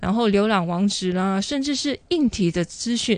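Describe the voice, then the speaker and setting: A fairly slow woman's voice, fairly high and lively, with a Hong Kong accent against a quiet background. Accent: Hong Kong Cantonese-accented Mandarin. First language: Cantonese (speaking Chinese). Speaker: tech industry association director. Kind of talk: casual chat. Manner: halting, many fillers.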